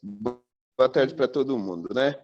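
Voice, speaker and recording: A man's voice: medium pitch, slow. Man on a glitchy, breaking-up internet call. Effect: choppy, breaking-up internet call audio. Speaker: webinar participant asking a question. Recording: muffled lo-fi online call with faint guitar behind.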